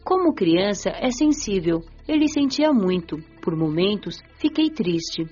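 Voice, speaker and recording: Young female spirit narrator , actress: mid-pitched, gentle, earnest, measured, dull recording with soft music. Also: sing-song. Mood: earnest narration. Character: gentle, earnest nineteen-year-old female spirit narrating her afterlife. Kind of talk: dramatised audiobook narration.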